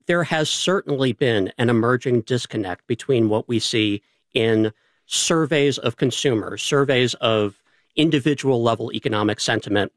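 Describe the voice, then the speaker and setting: A man with a New York accent, a state economist giving measured, articulate explanations on a radio panel. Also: mid-range voice, no echo. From New York City. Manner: articulate, deliberate, uses rhetorical questions.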